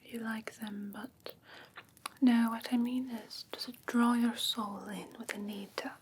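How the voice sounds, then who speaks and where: A woman playing a curious, haughty fae creature in an ASMR fantasy roleplay, whispering softly in a hesitant, musing, gently condescending way. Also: a little high, fairly even intonation, a little slow, slight background noise, lightly acted. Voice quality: soft breathy whisper.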